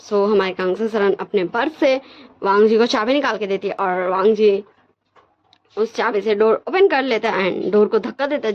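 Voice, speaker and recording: A woman narrating a fan fiction story casually, in a conversational, retelling way. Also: medium pitch. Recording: dull lo-fi recording.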